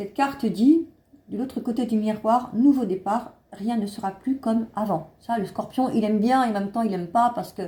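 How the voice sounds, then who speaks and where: Somewhat breathy, with a dark, mellow tone, a woman speaks at a moderate pace in a fairly high pitch with ordinary pitch variation. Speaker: medium / card reader. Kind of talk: tarot-style card reading. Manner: hesitant, many fillers.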